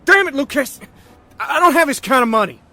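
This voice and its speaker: A man's voice: extremely high pitch, lively intonation, a little fast, sharp tone, exaggerated voice. An actor playing a hot-tempered, desperate police detective in an audio drama, snapping his words. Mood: angry, desperate. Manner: agitated, snapping.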